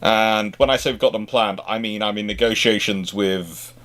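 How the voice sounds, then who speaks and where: A man's voice: lowish voice, fairly even intonation, normal speed, fairly bright tone. A man hosting a casual livestream chat, talking in a rambling, stop-start way that doubles back on words. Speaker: livestream host.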